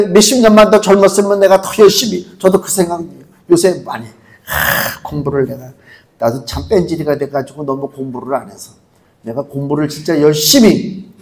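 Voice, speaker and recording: A male pastor preaching a conversational sermon in a church, asking the congregation rhetorical questions and reading scripture slowly. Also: sits high, darkish tone, poor audio. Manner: acts out quoted voices, reads scripture slowly. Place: church sanctuary.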